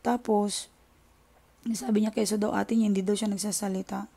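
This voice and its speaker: A woman's voice: medium pitch, steady tone, moderate pace, vocal fry, dark tone. A woman with a Filipino accent, hosting a tarot channel and talking to her viewers in an impassioned, indignant way, mixing in English phrases. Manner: impassioned, indignant, switching between Tagalog and English. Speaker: tarot reader and channel host. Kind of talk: casual chat to viewers.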